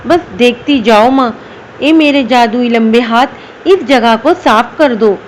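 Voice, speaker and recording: A woman voicing a calm, confident young magical daughter who reassures her mother in a storybook tale. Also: a little high, slow, slight background noise.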